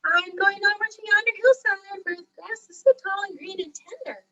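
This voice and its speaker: A woman's voice: moderate pace, a bit bright, muffled recording. A woman voicing a tiny young male billy goat from a storybook, timid and pleading in a little voice. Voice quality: tiny, high voice.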